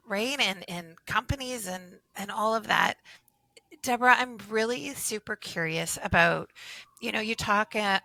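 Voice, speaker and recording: A woman's voice: mid-range voice, sharp tone, no room sound. A woman co-hosting a podcast with a scratchy voice today, chatty and curious as she asks questions. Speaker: podcast co-host.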